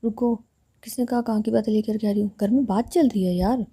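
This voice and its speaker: A woman's voice: fairly high pitch, fairly quick, warm tone, husky. A woman voicing a curious young woman in love who keeps pestering her girlfriend with questions in a told love story. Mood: pleading. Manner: pleading, pestering.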